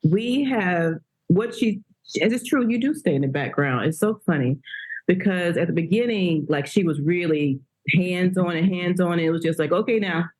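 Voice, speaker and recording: A woman guest on a podcast, telling stories in an animated, laughing way. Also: fairly low pitch, normal speed, low-quality recording. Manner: animated storytelling, frequent laughter. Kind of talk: casual conversation.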